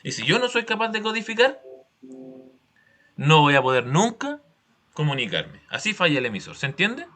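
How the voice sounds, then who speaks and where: A male teacher with a Chilean accent walks his students through an idea, pausing to ask if they follow. His voice is bright and on the higher side, and it swings up and down with plenty of life. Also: wildly swooping pitch. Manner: patient, explanatory, uses examples and check-in questions. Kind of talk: classroom explanation.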